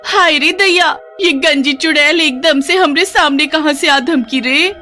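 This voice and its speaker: A woman's voice: high voice, a little slow, bright, forceful tone, soft background music, voice pushed up. A woman putting on a wailing village woman. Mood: panicked. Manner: wailing, pleading. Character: bald village woman, whiny and dramatic.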